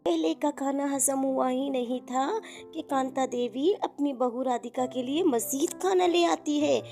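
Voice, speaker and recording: A woman narrates a cartoon moral story in a very high, slightly gravelly voice. Her storytelling is plain and steady, with music playing behind her. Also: unhurried. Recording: background music.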